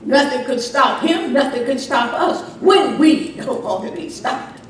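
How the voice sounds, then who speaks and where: A woman delivers a fiery doomsday sermon in a fairly high voice, exhorting and warning of judgment. She drives points home with repetition and rhetorical questions. The recording is heavily echoing, with her voice somewhat distant from the microphone. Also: lively intonation, unhurried, slight background noise. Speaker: preacher. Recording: very echoey room, distant microphone.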